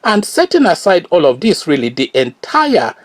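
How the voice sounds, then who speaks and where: A middle-aged Nigerian man with a Yoruba accent giving scornful, argumentative solo commentary, pausing often on fillers. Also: high-pitched, wildly swooping pitch. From Nigeria, Oyo.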